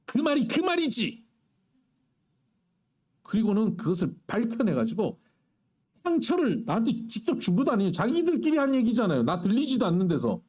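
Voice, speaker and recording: A middle-aged male pastor preaching with a higher voice that swings widely up and down. He plays out little quarrels in character voices between plain teaching. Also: wildly swooping pitch, fast talker, a little mellow, slightly rough. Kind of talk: sermon.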